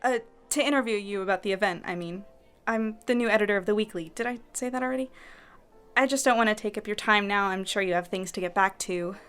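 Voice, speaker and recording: Audio drama lead: woman as awkward female newspaper editor, medium pitch, halting and flustered, faint music bed. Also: fairly even intonation, a bit bright, smooth, close to an everyday voice. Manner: hesitant, flustered, stammering. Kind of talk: fiction podcast acting.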